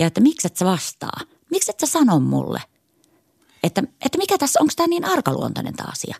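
A woman talks at a very fast pace. Her sound is dry and close, with no echo. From Finland, Kuusamo (northern Finland). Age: 40s. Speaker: journalist. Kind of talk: interview conversation. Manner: hesitant, many fillers and repetitions.

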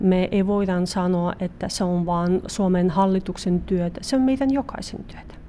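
A woman with a Bashkortostan accent speaks at a fairly slow pace with hardly any pauses. Her voice has a dark, mellow tone at medium pitch with ordinary pitch variation. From Bashkortostan, Russia. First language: Bashkir (speaking Finnish). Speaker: immigrant services coordinator. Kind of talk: interview. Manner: halting, frequent hesitations.

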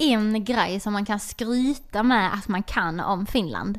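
A woman in a Scanian accent at a fairly slow pace, with ordinary pitch variation, in a very clean recording with a silent background. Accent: Ystad dialect. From southern Sweden, Ystad (Skåne). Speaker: comedian. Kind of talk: casual interview chat.

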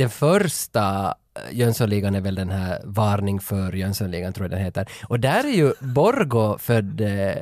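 A man with an unremarkable speaking voice talks at a fairly slow pace in a fairly low pitch. His intonation is lively, and the recording is very clean with a silent background. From Ostrobothnia, Finland (Vaasa). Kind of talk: casual chat.

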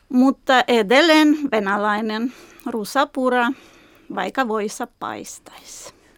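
The speaker talks at a very slow pace in a Russian accent with ordinary pitch variation. The recording is very clean with a silent background, and the sound is dry and close with no echo. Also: woman, high pitch for a woman. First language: Russian (speaking Finnish). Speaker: culture and arts worker, diversity advocate. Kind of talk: radio panel discussion. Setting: studio.

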